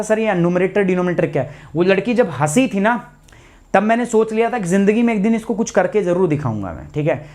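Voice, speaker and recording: A man's voice: high-pitched, a little mellow. A man, a teacher telling a personal story to students in a live online class, chatty and anecdotal.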